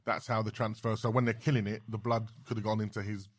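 Casting: man, lowish voice, London accent, slangy sweary street banter, casual chat, close dry sound. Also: flat delivery, fast, dry recording.

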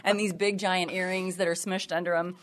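A Texan woman with a low-pitched voice talks into a studio mic as a podcast guest. She is expressive and emphatic, stacking repeated phrases as she talks about faith. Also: fairly quick. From Texas, USA. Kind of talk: faith-based conversational chat. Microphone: headphones on, studio mic.

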